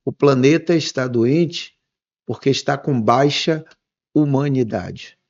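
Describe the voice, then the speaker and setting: A man's voice: mid-range voice, takes it slowly, a little mellow, dull audio. A man hosting an interview, asking long, winding, appreciative questions with frequent fillers. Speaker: interview host.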